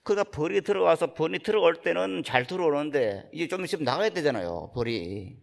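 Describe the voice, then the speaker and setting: An older Buddhist monk from Gyeongsang with a Gyeongsang accent, giving a dharma talk in folksy, unhurried storytelling. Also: male voice, on the high side, animated, creaky. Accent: Gyeongsang Korean. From Gyeongsang province, Korea. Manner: folksy, unhurried storytelling, acting out quoted speech. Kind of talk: sermon storytelling.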